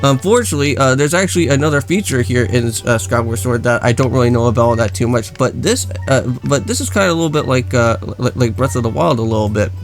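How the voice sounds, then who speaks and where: A man's voice: mid-range voice, fast, few pauses. Man, gaming host, casual let's play commentary, rambling explanations, repeated phrases, music in the background.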